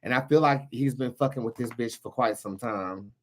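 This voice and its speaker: A man speaks at a medium pitch as a tarot reader and host. He talks casually and directly to his viewers. His manner is sassy and brash, and he swears freely. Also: normal speed. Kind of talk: casual live tarot reading chat to viewers.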